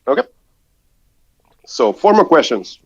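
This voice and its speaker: A man's voice: on the high side, very animated, a little slow, husky. A man co-hosting a live stream, moderating questions in a casual, practical way over a muffled connection. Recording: dull, lo-fi voice-call microphone.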